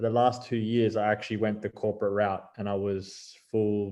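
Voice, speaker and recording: A man with an Australian accent and a dark, mellow tone. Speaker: illustrator and NFT artist. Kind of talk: interview. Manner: casual, hesitant with fillers.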